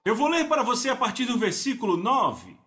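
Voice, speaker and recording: A man's voice: very high-pitched, sing-song, brisk, sharp tone. A man preaching an emphatic, exclamatory Pentecostal sermon.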